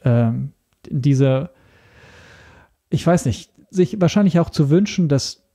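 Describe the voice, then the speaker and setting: Gravelly, hesitant man. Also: a little high, expressive, slow, mellow. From Italy. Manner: hesitant, searching for words. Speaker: podcast guest. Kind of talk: casual interview talk.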